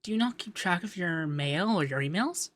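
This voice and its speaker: Man acting a bright-voiced, coy, effeminate young accountant. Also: sits high, expressive, moderate pace. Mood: businesslike, mildly exasperated. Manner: coy, teasing, lilting, hesitant in places. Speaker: ASMR voice actor. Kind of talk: ASMR roleplay.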